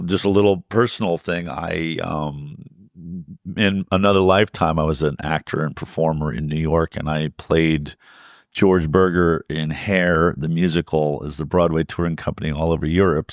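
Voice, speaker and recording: Man, 50s, interview host, very deep voice, dry close sound, relaxed chatty questions. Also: moderate pace, dry recording. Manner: relaxed, conversational, with frequent "um" fillers. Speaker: podcast host. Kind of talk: casual interview conversation.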